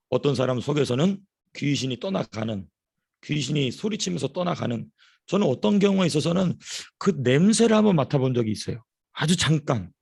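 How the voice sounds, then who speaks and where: A man preaching a sermon as a pastor, telling stories in an animated way and repeating phrases for emphasis. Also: mid-range voice, creaky. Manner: storytelling, animated. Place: church.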